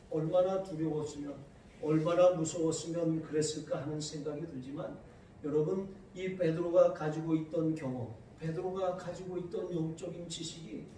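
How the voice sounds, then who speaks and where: A man preaching, recorded from a distance in a big, ringing church sanctuary. His voice sits high. He reads scripture slowly and turns to lively anecdotes. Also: very echoey, slight background noise. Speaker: pastor. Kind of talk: sermon.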